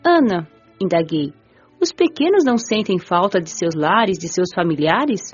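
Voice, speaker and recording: An actress playing a gentle, curious young woman spirit who narrates her afterlife in a measured, earnest radio drama style. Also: lowish voice, expressive, husky. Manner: measured, earnest, careful storytelling. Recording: muffled audio with music underneath.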